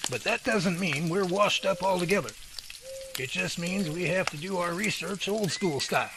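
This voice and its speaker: Gravelly folksy outdoorsman philosopher played by a man, noisy recording. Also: a little high, close to an everyday voice. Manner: folksy, measured, speechifying.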